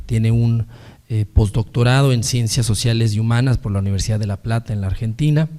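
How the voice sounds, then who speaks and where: Hoarse, low, sepulchral male moderator. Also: dark tone. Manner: halting, frequent hesitations and repeated words. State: hoarse from illness. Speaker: moderator of a book presentation. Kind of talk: formal academic introduction, partly read out.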